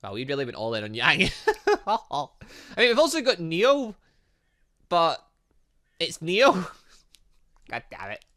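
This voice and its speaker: A man's voice: fairly high pitch, takes it slowly, pauses often. A man giving casual let's play commentary on a visual novel, reading aloud and reacting with exclamations. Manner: animated, exclaiming, reacting as he reads. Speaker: gaming channel host.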